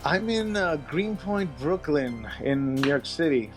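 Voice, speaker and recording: A man with a slightly high voice speaks as a guest writer in a casual interview. His delivery is halting, as he thinks aloud and rephrases along the way. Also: animated, over music. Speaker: guest author. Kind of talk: casual chat.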